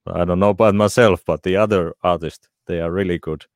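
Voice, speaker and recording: Deep-voiced, modest man. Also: fairly even intonation, fairly quick, no room sound, clean studio sound. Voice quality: very low, deep voice. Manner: modest, brief answers. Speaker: singer, interview guest.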